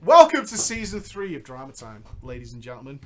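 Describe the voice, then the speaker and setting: This is a man hosting a comedic story-reading show, trading jokes with his co-host. His pitch moves a lot, and he swings between shouted bursts and muttered asides, often breaking into laughter. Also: wildly swooping pitch, fairly quick, soft background music.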